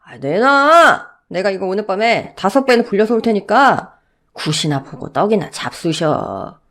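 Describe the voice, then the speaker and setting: A woman voicing a drunken, violent middle-aged father who shouts and bullies in a Korean audio story. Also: medium pitch, normal speed, natural voice. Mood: angry. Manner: loud, bullying, shouting.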